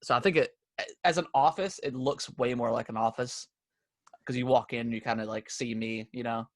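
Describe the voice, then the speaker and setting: Recorded at studio quality with no room sound, this young man's mid-range voice holds a steady tone and moderate pace. Co-hosting a podcast from his home office desk setup with a camera, he's stuffy with allergies and rambles through casual talk full of fillers and restarts.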